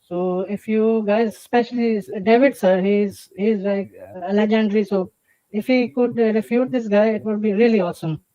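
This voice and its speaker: A man's voice: sits high, steady tone, moderate pace, warm tone, dull audio. A man calling in with his voice disguised by a voice changer, hesitant, with lots of uh's and a polite "sir". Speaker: caller. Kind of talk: casual call-in chat.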